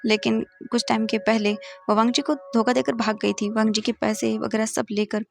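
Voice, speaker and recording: A woman's voice: on the high side, level tone, normal speed, creaky. A woman playing a worried, caring young friend. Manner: urgent, soothing.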